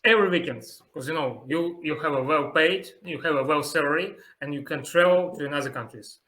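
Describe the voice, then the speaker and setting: Russian man with bright, lively chatter. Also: a little high, low-quality recording. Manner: halting learner's English, laughs often. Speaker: host. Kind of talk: casual interview chat.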